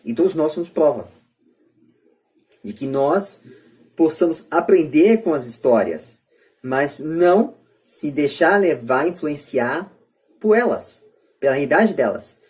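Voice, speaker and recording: Homem paulistano de voz suave, meio aguda. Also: male voice, a little high, lively intonation, slow pace, long pauses, a little mellow. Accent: Brazilian, São Paulo. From São Paulo, Brazil. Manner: emphatic, rhetorical, repeats phrases. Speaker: podcast host. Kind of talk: podcast debate, opinion monologue.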